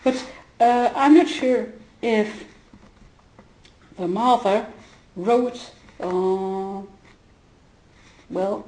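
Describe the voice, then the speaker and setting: A woman whose first language is not English, retelling a conversation in a halting way with many fillers and restarts and frequent laughter. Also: medium pitch, warm tone. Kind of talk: casual spoken retelling. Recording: roomy echo.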